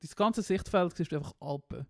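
A man's voice: sits high, fairly quick, vocal fry, darkish tone, no room sound, clean studio sound. A young man with a Swiss German accent, co-hosting a podcast in casual chat, rambling through his stories, often laughing and trailing off mid-sentence. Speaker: podcast co-host.

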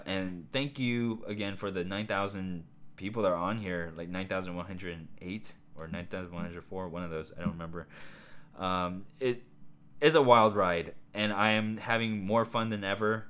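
A man hosting a solo podcast, talking in a casual, rambling way with a hoarse, raspy voice and lots of fillers. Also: low-pitched, moderate pace. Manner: rambling, excitable, many fillers and asides. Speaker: podcast host.

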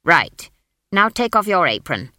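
A woman voicing a stern old country witch in an audiobook story, brisk, snapping and short-tempered. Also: on the low side, sing-song, pushed and bright, no echo, clean studio sound, full character voice. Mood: exasperated, commanding.

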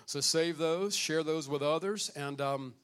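A man's voice: fairly high pitch, a little slow, fairly bright tone, clean tone. A man preaching informally as a pastor, conversational, repeating phrases and asking the congregation for amens. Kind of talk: informal sermon with welcome and Bible reading.

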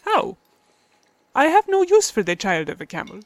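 A woman's voice: sits high, wildly swooping pitch, moderate pace, a little hiss or hum. A woman playing a feisty, exasperated older motherly figure in an audio story, blunt and indignant.

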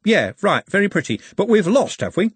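A man's voice: sits high, sing-song, a little fast, husky, dry recording, voice pushed up, heavily acted. A man voicing a mild, dry-witted middle-aged male butcher in an audiobook. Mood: wry. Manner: dry, sarcastic.

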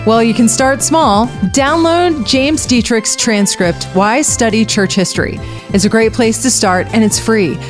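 A woman with a slightly high voice works as a radio announcer, reading a scripted promo. She addresses the listener directly in a conversational way, with music playing faintly behind her. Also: measured pace.

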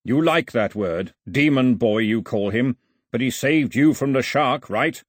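A big, stubborn man, as a reader puts him on, speaking slowly and solemnly and weighing every word. The voice is rumbling and husky, slightly raised and firm. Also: expressive, no echo, clean studio sound. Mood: challenging.

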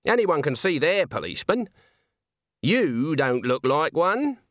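Man putting on a sharp, high-pitched old witch woman. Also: sing-song, unhurried, no room sound, clean studio sound. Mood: calm, pointed. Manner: folksy rustic speech, snappy and self-assured.

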